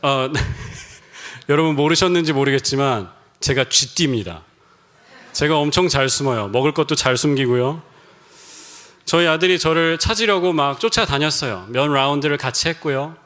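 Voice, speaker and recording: Middle-aged male pastor, slightly high voice, lively storytelling sermon. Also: normal speed. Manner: storytelling, acts out quoted voices. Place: church sanctuary.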